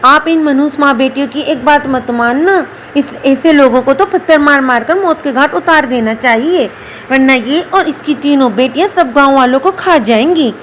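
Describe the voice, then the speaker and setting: A woman's voice: high-pitched, moderate pace, fairly bright tone, slight background noise, low-quality recording. A woman voicing a cruel, spiteful village woman who demands harsh punishment in a storybook tale.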